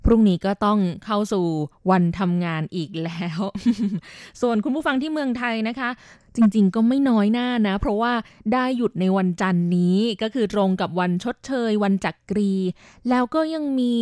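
A woman radio DJ hosting a scripted magazine show, explaining at length in a polite manner with frequent soft polite particles. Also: fairly high pitch, lively intonation, moderate pace, no room sound, studio quality. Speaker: radio DJ and host.

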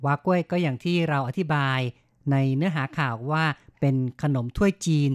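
Man radio co-host, relaxed and explanatory, dry close studio mic. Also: fairly high pitch, moderate pace, dry recording. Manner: easygoing, explanatory, chuckles along. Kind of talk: radio talk show, conversational commentary.

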